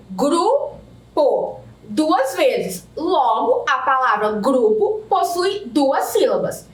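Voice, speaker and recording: In a recorded video lesson, a woman with a high voice explains slowly and deliberately, breaking words into syllables. She seems a little far from the mic, and the room echoes.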